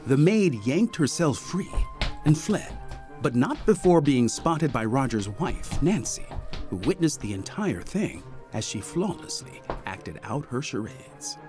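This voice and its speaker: A man narrating a scripted audio mystery drama as a polished, deliberate storyteller. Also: medium pitch, very animated, over music. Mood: storytelling.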